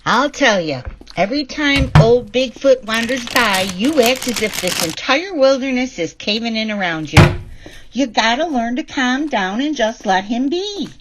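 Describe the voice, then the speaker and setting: High-pitched, folksy backwoods woman, acted by a woman. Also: expressive, unhurried, heavy background noise. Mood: folksy chiding. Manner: rustic, chatty, exasperated folksy talk. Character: folksy backwoods woman, scolding and chatting to her dog. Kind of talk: audio drama acting, monologue to a pet.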